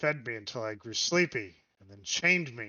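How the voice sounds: A gruff, put-on character voice at a moderate pace. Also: man.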